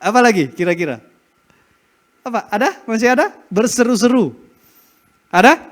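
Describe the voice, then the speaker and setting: A man's voice: extremely high pitch, expressive, normal speed. A man preaching a sermon in church, asking the congregation questions, laughing often and acting out cries to God. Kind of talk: interactive sermon. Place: church hall.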